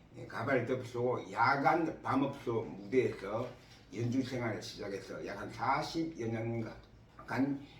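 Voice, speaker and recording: A man with vocal fry speaks at a very slow pace and medium pitch, using ordinary pitch variation, with audible room echo around him. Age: 60s. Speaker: retired professional guitarist. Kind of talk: casual talk to camera. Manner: chatty.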